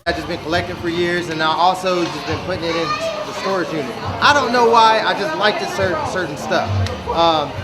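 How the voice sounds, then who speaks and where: A man with a high voice speaks casually as an interviewee. Loud music and a busy crowd fill the space around him. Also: fairly quick. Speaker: interviewee, arcade owner and DJ.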